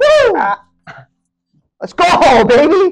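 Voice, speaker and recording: This squeaky, put-on character voice sits at an extremely high pitch and moves in very wide pitch swings. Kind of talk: loud, energetic shout. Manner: hyped, cheering, like a football team.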